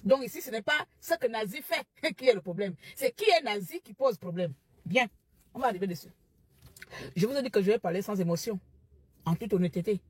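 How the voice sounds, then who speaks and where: A woman from Gabon with a Gabonese French accent, delivering an impassioned opinion monologue that rises to loud rhetorical outbursts. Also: medium pitch, animated, brisk, slightly rough. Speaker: commentary vlogger.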